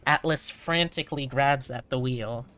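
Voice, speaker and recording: A woman's voice: very deep voice, normal speed, fairly bright tone. A woman reading scripted visual novel narration aloud as a dramatic storyteller. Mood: tense.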